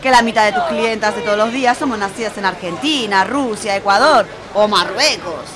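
A woman's voice: medium pitch, a little fast, crowd noise, close to an everyday voice. A woman playing a nosy, teasing Argentine bar regular in an amateur radio soap comedy. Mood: teasing, curious.

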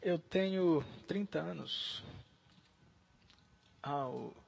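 A man speaks slow, broken English, stopping often to hunt for words. His voice is gravelly with a slight fry, a bit higher than most men's. A faint hum of background noise sits under him. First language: Portuguese. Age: 30s. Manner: halting, searching for English words. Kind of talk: casual chat with online stranger.

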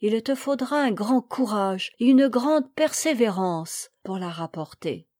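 A woman voicing a gentle, kindly fairy who speaks softly and calmly in a storybook. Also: a little high, a little slow, dry recording, clean studio sound. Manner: soft, calm.

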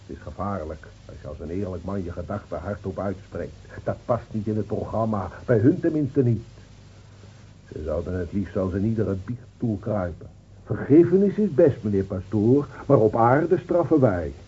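A man's voice: lowish voice, animated, normal speed, warm tone, natural voice. An actor playing a bitter, sardonic village man in a Dutch radio drama, grumbling with weighty sarcasm. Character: bitter, sardonic village man at a rural Spanish police post. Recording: muffled, noisy old radio recording.

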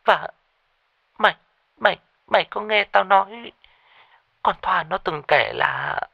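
A man's voice: fairly high pitch, a little fast, pushed and bright, no echo, lo-fi sound, voice pushed up. A man voicing a terrified young woman who stammers and pleads over the phone in a ghost story. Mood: frightened. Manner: stammering, panicky, breathless pleading.

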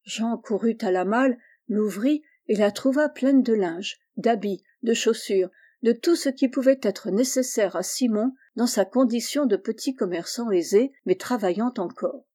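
A woman reading a classic novel aloud in a calm, measured way. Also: on the high side. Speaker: audiobook reader. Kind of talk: scripted narration of a classic novel.

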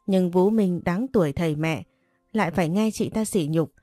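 Mellow-voiced woman narrating a story. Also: fairly low pitch, normal speed, dry recording, soft background music. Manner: calm first-person telling.

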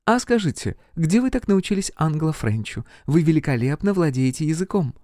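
A male reader voicing a shrewd older dowager duchess, gracious and gently commanding. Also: on the high side, big pitch swings, fairly quick, no room sound, studio quality, pitched above the performer's own voice. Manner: warm, grand, gently commanding.

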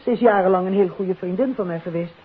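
Earnest woman suspect, husky, tinny. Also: mid-range voice, quick pace. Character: female suspect, anxious and earnest, polite. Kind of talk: 1950s Dutch radio play acting. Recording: tinny, muddy old radio recording.

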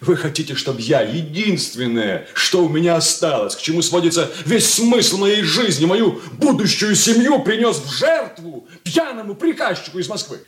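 An actor playing a proud, bitter young merchant son in a radio drama, speaking in a clipped, indignant way. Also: male voice, fairly high pitch, moderate pace, hardly any pauses. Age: young adult. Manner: clipped, indignant, lively delivery. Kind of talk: 1980s studio radio drama acting. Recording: roomy studio echo.

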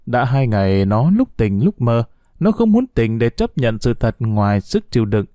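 A man narrating a sad story in a slow, heartfelt, expressive way. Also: mid-range voice, no room sound, clean studio sound.

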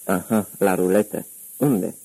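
A man voicing a cold gangster who interrogates with quiet threats, in a deep gravelly voice. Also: dry recording, heavily acted, rough recording. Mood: menacing. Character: menacing middle-aged male gangster, cold interrogator.

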